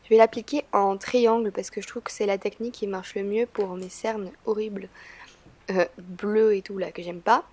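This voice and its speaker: A woman's voice: medium pitch, steady tone, moderate pace, a little mellow. A woman with a cold, talking through a makeup tutorial in a chatty, hesitant way with frequent "euh" fillers. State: stuffy-nosed from a cold. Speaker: beauty vlogger.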